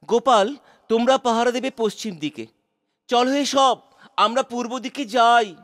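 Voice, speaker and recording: A scheming chief minister in a cartoon royal court. His voice is high, and he hands out orders in a bossy, officious way. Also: measured pace, fairly bright tone. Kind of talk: animated children's cartoon acting.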